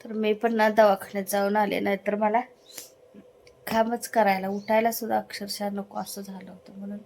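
A woman's voice: medium pitch, flat delivery, normal speed, gravelly, a little mellow, slight background noise. A woman from Maharashtra, India, chatting casually as she works around her home. She explains each chore as she goes and drops in many little fillers. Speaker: home vlogger. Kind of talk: casual vlog narration. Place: at home, in her kitchen and yard.

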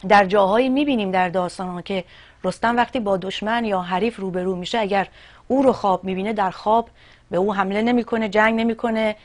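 A woman host telling an epic story, reciting its verses slowly and rhythmically, then explaining them in plain everyday talk. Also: medium pitch.

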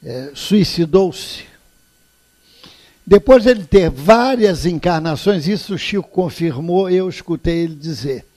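A man's voice: a little high, a little mellow. An older Brazilian man giving an earnest public lecture in a hall, telling stories with emphasis. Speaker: lecturer at a spiritist center. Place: indoor lecture hall, standing before an audience.

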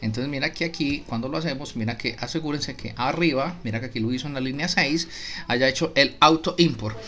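A man's voice: medium pitch, a little fast, sharp tone. A man with a Colombian Spanish accent teaching a coding lesson over a screen recording, explaining step by step and often repeating and correcting himself. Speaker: programming instructor. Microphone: desktop mic, voice-over on screen capture.

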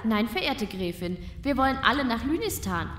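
A woman's voice: fairly high pitch, very animated, moderate pace, a bit bright, reverberant, recorded from a distance, a little hiss or hum. A woman playing a respectful but determined castle maid in a comic fairy-tale audio drama. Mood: defiant, polite.

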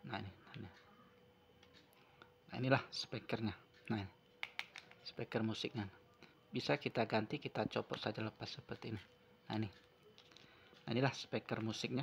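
At a wooden table indoors, a man narrates an unscripted, hands-on phone repair tutorial, explaining each step and often repeating himself. His voice is lowish, steady and creaky, at normal speed with long pauses, over a noisy background.

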